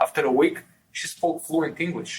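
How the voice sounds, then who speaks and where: The speaker has a strong Russian accent and ordinary pitch variation. The pace is fairly quick. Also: man. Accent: heavy Russian. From Israel, born in Soviet Union. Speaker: nuclear engineering professor. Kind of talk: casual chat.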